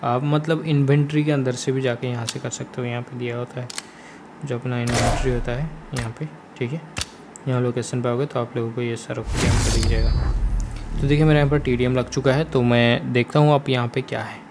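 Even-toned Indian man giving a tutorial. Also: mid-range voice, a little fast. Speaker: gaming tutorial YouTuber. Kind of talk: casual step-by-step screen tutorial. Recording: faint background noise.

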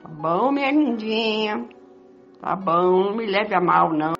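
A woman's voice: mid-range voice, measured pace, a bit bright, faint music behind. An older Brazilian woman playing a tender, sly former sweetheart in an amateur radio soap. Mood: coaxing. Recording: dull lo-fi recording.

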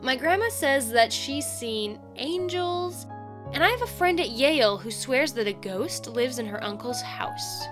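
A woman's voice: high-pitched, animated, unhurried, over music. An actress playing a supportive, chatty young woman, a college friend, in a casual audio drama style. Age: young adult.

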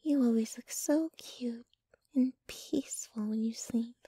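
A woman playing a possessive, jealous young girlfriend in an intimate ASMR roleplay, sweetly menacing, with a breathy voice that often drops to a whisper and a cooing, clinging manner. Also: a little high, warm tone, no room sound. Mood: adoring, tender. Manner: slow, cooing, clinging to the listener.

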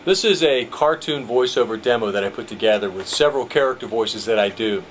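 A man's voice: mid-range voice, brisk. A middle-aged man introducing his voice demo to camera as a cartoon voice actor. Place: small cluttered room indoors. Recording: noisy room recording.

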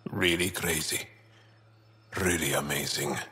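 A man playing a thoughtful, earnest alien resistance fighter in a video game, speaking reflectively with pauses. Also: very deep voice, fairly even intonation, pushed and bright, full character voice. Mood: hopeful excitement. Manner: measured, reflective, pausing.

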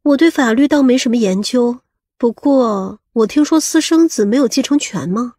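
A woman playing a sharp-tongued, suspicious woman in an audiobook, scolding and probing. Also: a little high, normal speed, dry recording, studio quality, lightly acted. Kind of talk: audiobook character acting.

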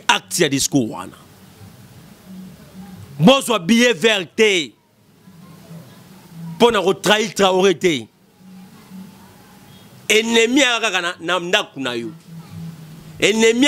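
A man's voice: sits high, expressive, normal speed, long pauses, sharp tone, a little hiss or hum. A man in his thirties with a Congolese accent, giving impassioned political commentary into a desk mic in a small studio, emphatic and repetitive. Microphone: desk mic in front.

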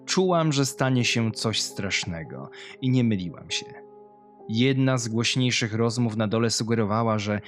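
A man's voice: medium pitch, expressive, normal speed, lightly acted. A man voicing a cold young woman killer who recounts her past in a confessional, menacing way in a horror story. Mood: brooding, haunted. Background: music.

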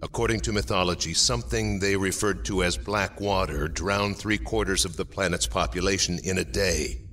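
An actor playing a coolly probing alien imperial captain in an audio drama, precise and formal. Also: male voice, low voice, fairly even intonation, moderate pace, a bit bright, a little hiss or hum. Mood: analytical.

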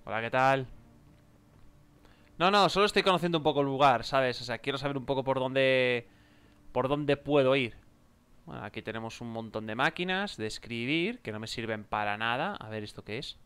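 A man's voice: mid-range voice, moderate pace, fairly bright tone, smooth. A young man with a Spain Spanish accent commenting his gameplay, exclaiming and joking, improvising mock chatter with game characters. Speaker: gameplay video creator.

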